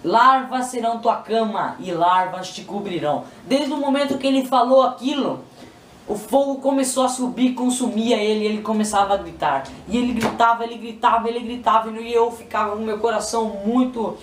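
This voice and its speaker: A man's voice: extremely high pitch, fairly quick. Brazilian man, emotional repetitive testimony, roomy sound heard from a distance. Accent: Brazilian Portuguese. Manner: repetitive, pleading, emotional retelling. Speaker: person giving a religious testimony. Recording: roomy, distant mic, faint noise.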